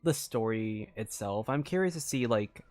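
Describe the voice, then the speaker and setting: A man's voice: lowish voice, animated, normal speed, darkish tone. A man chatting casually on a gaming live stream, rambling and thinking aloud in a distracted way. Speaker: game streamer. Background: video game music.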